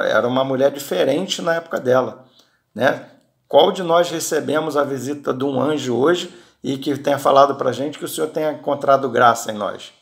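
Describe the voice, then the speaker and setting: Male preacher, mid pitch with a gravelly edge, conversational Bible teaching with frequent restarts. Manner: frequent tag questions and restarts.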